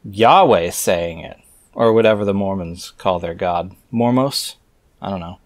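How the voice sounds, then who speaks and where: A man reading aloud casually, breaking off into halting, musing, skeptical and irreverent commentary. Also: sits low, dry recording.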